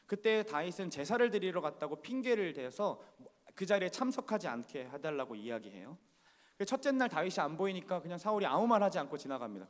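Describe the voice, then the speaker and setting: A male pastor preaching a sermon in a church, speaking conversationally and often putting questions to the congregation. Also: fairly high pitch. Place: church sanctuary. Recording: church hall reverb.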